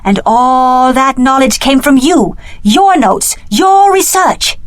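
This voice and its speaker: A woman voicing a serious, determined young heroine in a video game, with a deliberate and earnest delivery. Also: high-pitched, dry recording, clean studio sound. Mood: indignant. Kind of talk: scripted video game character dialogue.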